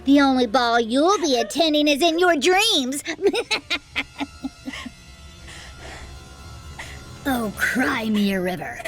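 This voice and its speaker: Mocking, cruel high-pitched fairytale villainess. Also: female voice, animated, fairly bright tone, soft background music. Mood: bossy, sneering. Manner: mocking, taunting, drawn-out insults. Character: cruel, sneering stepfamily women bullying Cinderella. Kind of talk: animated fairytale storybook acting.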